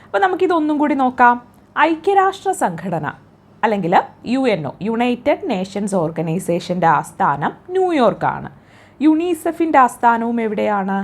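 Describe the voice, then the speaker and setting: Lively Malayali woman quizzing aloud. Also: fairly high pitch, moderate pace. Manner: asks a question and answers it herself, repeating each answer; coaxing, checks the listener with "kēṭṭō" and "allē". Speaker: exam tutor. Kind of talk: spoken quiz lesson.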